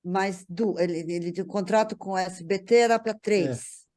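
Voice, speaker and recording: Female guest, Brazilian accent, mid-range voice, casual recollection, halting delivery with restarts. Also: mid-range voice, dark tone. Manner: halting, repeating words and restarting. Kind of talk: casual reminiscence.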